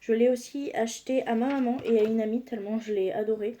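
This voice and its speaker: A woman's voice: a little high, steady tone, quick pace, dark tone, a little hiss or hum. A young woman talking casually and enthusiastically as she reviews her makeup palettes, with frequent hesitations. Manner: chatty, enthusiastic, frequent "euh" fillers. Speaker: beauty vlogger.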